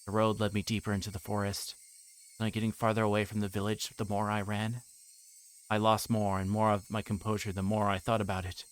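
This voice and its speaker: A man's voice: fairly low pitch, level tone, fairly quick, clean tone. A man livestreaming a visual novel, reading first-person narration in a dramatic storytelling style.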